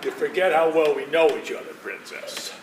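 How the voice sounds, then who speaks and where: An actor playing a regretful elderly Jewish man in a stage play, pleading and wistful in halting speech. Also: a little high, fairly even intonation, natural voice. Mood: teasing. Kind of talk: stage play acting, dramatic dialogue. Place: stage in a theatre, distant microphone. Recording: echoey, noisy theatre recording from far off.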